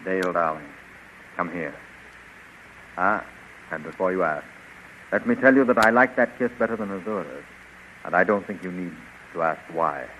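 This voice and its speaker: An actor playing a brave, ardent and protective young space hero in a 1930s radio serial. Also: male voice, deep voice, expressive, normal speed, pauses often, a bit bright. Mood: tender. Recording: noisy, dull 1930s radio recording.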